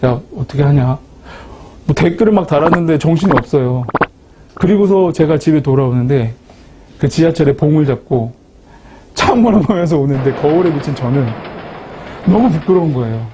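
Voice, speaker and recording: A man giving a Christian testimony talk, telling his story in a lively, self-mocking way. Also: a little high, fairly quick, background noise. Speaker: Christian speaker sharing a testimony.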